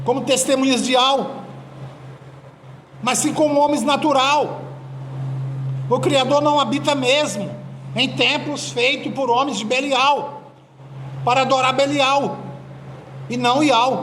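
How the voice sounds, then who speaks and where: Speaking very slowly with long, frequent pauses, a man with an extremely high pitch holds very even loudness and fairly even intonation amid noticeable background noise and audible room echo. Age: 60s. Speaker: pastor. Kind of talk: sermon.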